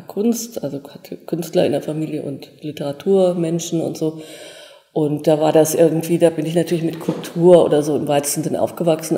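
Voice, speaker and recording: A woman's voice: low-pitched, warm tone. A woman in her sixties, a stage design professor, talking in an interview in a loose, rambling way with many fillers. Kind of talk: relaxed interview talk. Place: office with bookshelves. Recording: echoey room with long reverb.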